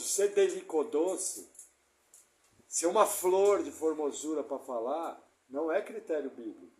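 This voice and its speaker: Pastor guy preaching, pretty high voice, keeps throwing questions at the crowd, goes loud then drops soft. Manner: emphatic, asks the congregation rhetorical questions; swings between loud emphasis and soft asides. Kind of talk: expository sermon.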